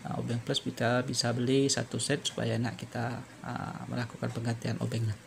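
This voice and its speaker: A man presenting an unscripted step-by-step repair tutorial, halting and repetitive as he explains. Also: mid-range voice, little pitch movement, gravelly, a little hiss or hum.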